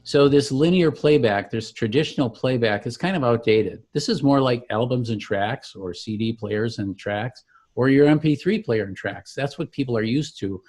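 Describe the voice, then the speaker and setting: Low-key explainer, an enthusiastic man. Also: moderate pace, darkish tone. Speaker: company founder demonstrating his product. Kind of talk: conversational product demonstration.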